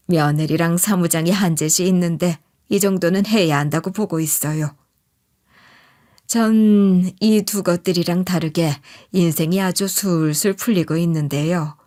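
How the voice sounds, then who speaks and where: A woman's voice: lowish voice, darkish tone. A woman reading a scripted first-person story as its narrator.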